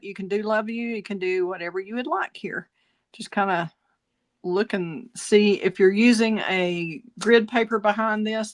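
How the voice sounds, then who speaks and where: A woman's voice: medium pitch, background noise. A woman teaching card making in a casual tutorial, chatty and self-correcting, with a slight cough now and then. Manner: chatty, self-correcting, laughs at own jokes.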